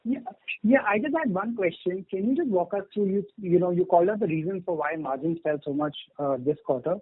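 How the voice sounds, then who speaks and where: A man's voice: high-pitched, fairly quick. A man phoning in as an analyst to question company management, rephrasing himself as he goes. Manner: rambling, often rephrases. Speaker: investor or analyst asking questions. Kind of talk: questioning on an earnings call. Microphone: phone. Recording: muffled narrowband phone line.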